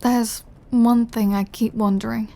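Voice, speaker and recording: Girl acting as a guilty lovesick vampire lady, highish voice, real slow and hesitant, intimate audio roleplay, goes soft and breathy. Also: level tone. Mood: apologetic, earnest. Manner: hesitant, halting, confessional, with soft breathy drops. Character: remorseful, lovesick female vampire craving her lover's blood.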